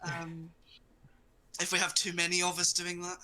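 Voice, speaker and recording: A man playing in a tabletop game, thinking aloud with many pauses and restarts while choosing for his character. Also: high-pitched, monotone, sharp tone. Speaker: player. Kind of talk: casual chat, building a character.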